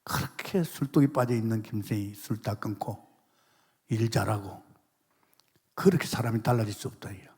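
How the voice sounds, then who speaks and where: A middle-aged man preaching from the pulpit of a large church, his slightly husky voice carried by long hall reverb. He swings between emphatic exclamations and hushed asides as he tells his testimony, acting out the voices of the people in his story. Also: on the low side. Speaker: pastor. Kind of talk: sermon.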